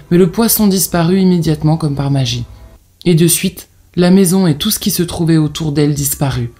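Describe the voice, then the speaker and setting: A storyteller with a husky, mellow voice narrates a children's fairy tale. Soft music plays behind the narration. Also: medium pitch.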